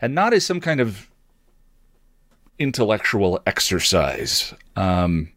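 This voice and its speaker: A man telling a personal story as a podcast host, reflective and wry, halting now and then as he searches for words. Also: lowish voice, very animated, a bit bright, no room sound, clean studio sound.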